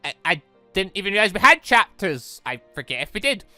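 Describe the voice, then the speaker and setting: A man hosting a gaming video, chatting casually in a rambling, excitable way as he comments on his playthrough. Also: high-pitched, fairly quick, no room sound, soft background music. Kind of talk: casual let's play commentary.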